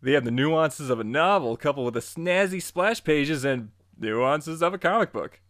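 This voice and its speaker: Casting: male tutorial host, fairly high voice, very animated, chatty and emphatic scripted delivery. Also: normal speed, dry recording, clean studio sound. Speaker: YouTube host and tutorial creator. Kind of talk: lively scripted promo narration. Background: music.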